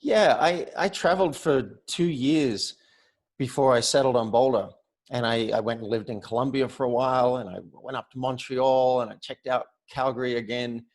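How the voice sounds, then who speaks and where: A man's voice: mid-range voice, moderate pace. A man in his fifties with an Australian accent, a podcast guest chatting upbeat and easygoing, often restarting his words. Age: 50s. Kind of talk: casual interview chat.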